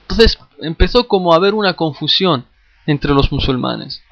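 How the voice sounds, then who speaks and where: In a classroom lecture on Islamic history, a man addresses his listeners directly, often hesitating, repeating phrases, and restarting words. His voice is on the high side, creaky, with lively intonation at normal speed, and the audio is dull but free of room sound.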